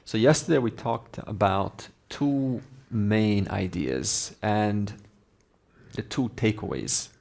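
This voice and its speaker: Slow, low-voiced man teaching Vedanta. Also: gravelly, a little mellow. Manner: slow, deliberate explaining with Sanskrit terms. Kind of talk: spiritual lecture.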